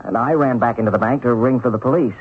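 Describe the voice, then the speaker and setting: An actor playing an earnest, halting ex-bank teller in a 1970s radio drama. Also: male voice, medium pitch, breathy edge. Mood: hesitant, recounting. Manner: hesitant, halting. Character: earnest ex-bank teller turned schoolteacher husband, hesitant, puzzled. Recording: dull, hissy 1970s radio broadcast.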